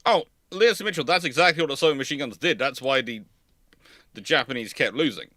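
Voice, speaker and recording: Bright-voiced man hosting a dry, close-miked livestream. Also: medium pitch, fast, no room sound. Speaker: host of a naval history livestream. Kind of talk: casual panel chat and commentary.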